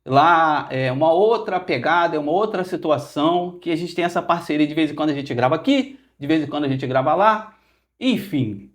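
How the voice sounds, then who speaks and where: In a relaxed podcast interview, a male host from the Rio de Janeiro area of Brazil banters playfully with his guest, speaking Brazilian Portuguese. His expressive voice leans high, and he talks fairly quickly.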